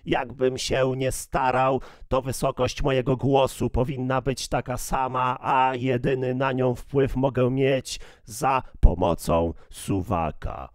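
Slow, measured male gear reviewer. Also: medium pitch, steady tone, no echo, studio quality. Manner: explanatory, measured. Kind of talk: casual product demo.

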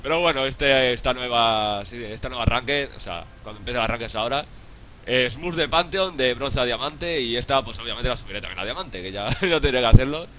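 A young man from Spain with a Spanish accent, commentating his own game excitedly, swearing and laughing often. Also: medium pitch, a little fast, a little hiss or hum. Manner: excitable, profane, laughs often, calls viewers "sobrinillos". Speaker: gaming YouTuber.

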